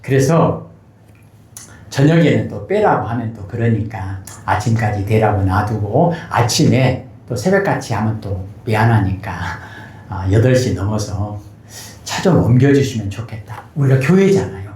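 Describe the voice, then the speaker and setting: A man's voice: on the low side, expressive, measured pace, a little mellow, slight background noise. A middle-aged man preaching as a pastor, telling a story candidly and breaking into emphatic outbursts. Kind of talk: sermon. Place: church sanctuary. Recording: echoey church hall.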